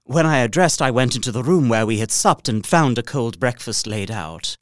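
A man's voice: mid-range voice, lively intonation, moderate pace, no room sound, studio quality, natural voice. An actor playing a polite, observant and uneasy young solicitor, narrating his journal earnestly and precisely in a gothic audio drama. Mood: composed, puzzled. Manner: precise, earnest, theatrical storytelling.

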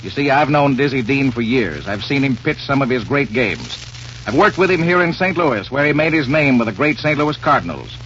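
Old radio announcer guy, smooth and formal, muffled lo-fi sound. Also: medium pitch, expressive, normal speed, a bit bright. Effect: old radio broadcast sound. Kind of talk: scripted radio announcing with sponsor lines. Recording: muffled old radio recording with faint hiss.

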